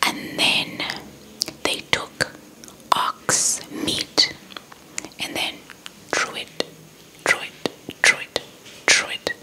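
A young woman with a South African accent narrates a folktale as ASMR, entirely in a whisper. Her delivery is slow and breathy, close to the mic, with words softly repeated. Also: low-quality recording. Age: young adult. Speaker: ASMR storyteller. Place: indoors, in front of a dark cloth backdrop. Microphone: small handheld lavalier mic with windscreen, held close.

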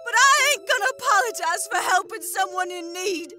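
A woman's voice: extremely high pitch, expressive, normal speed, music in the background. A woman playing an earnest, kind-hearted young snow woman in an audio drama. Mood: hurt, firm.

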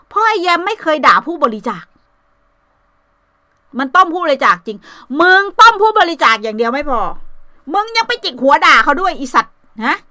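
A woman's voice: high voice, pushed and bright, no room sound, clean studio sound. A Thai woman ranting angrily and cursing in a casual call, repeating herself as she talks. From Thailand. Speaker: vlogger. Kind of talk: heated casual call rant. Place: home in Sweden.

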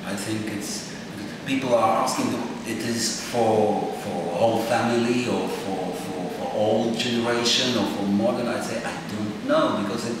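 A man in his fifties whose first language is Estonian, a composer answering interview questions in English with halting, animated phrasing and many fillers, in a small room. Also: fairly low pitch. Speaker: composer and performer. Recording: echoey room, distant mic, noisy.

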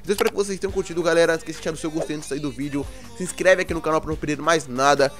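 A man from Brazil hosting a gaming channel, chatting about game updates and often tagging lines with a quick question to viewers. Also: a little high, fairly even intonation, fairly bright tone, soft background music. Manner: chatty, keeps asking "né, galera?". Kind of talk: casual game news vlog.

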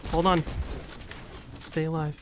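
A young man in his twenties talking casually through a headset while gaming, soft-spoken and a bit hesitant, with game sounds and guitar music behind him. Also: on the high side, flat delivery, slow pace, noisy background. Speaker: streamer and singer. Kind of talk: casual gaming chat with strangers.

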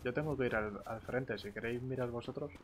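Male gamer, Castilian Spanish accent, mid pitch, casual in-character chat, noticeable background game noise. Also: fairly quick. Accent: Spain Spanish. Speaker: gaming roleplayer and streamer. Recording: noisy game audio with ambient sounds.

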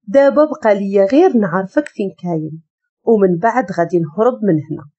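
A woman with a Moroccan accent voicing a frightened but defiant young wife, pleading and indignant, her voice raised high. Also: expressive, brisk, dark tone, slightly rough, dull audio. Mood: tearful relief.

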